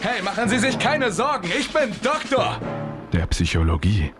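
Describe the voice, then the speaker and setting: A man voicing absurd cartoon men, jumping from deadpan to hysterical with exaggerated, abrupt delivery. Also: high-pitched, moderate pace. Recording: clear music bed behind.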